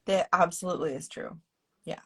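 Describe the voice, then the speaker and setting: A woman's voice: on the low side, steady tone, fairly quick, fairly bright tone, husky. An older woman co-hosting a live stream, chiming in easily with jokes and advice. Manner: easygoing, chimes in with jokes and advice. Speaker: co-host of a live stream show. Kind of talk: casual chat.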